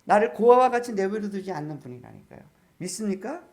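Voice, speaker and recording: A man's voice: high-pitched, expressive, fast, darkish tone. A man preaching as a pastor in church, throwing questions at the congregation and calling for amens. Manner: peppers the congregation with questions and calls of amen. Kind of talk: sermon.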